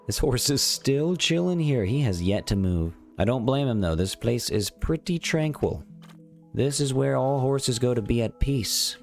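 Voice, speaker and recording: A man's voice: medium pitch, lively intonation, unhurried, vocal fry, darkish tone. A man with a slight cold giving casual, chatty gameplay commentary as host of a gaming series, thinking aloud as he goes. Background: music.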